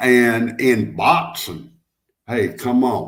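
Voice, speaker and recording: A man talks at a medium pitch with a Southern US accent. Audible room echo surrounds his voice. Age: 60s. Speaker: outdoor channel host. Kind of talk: casual chat. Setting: livestream.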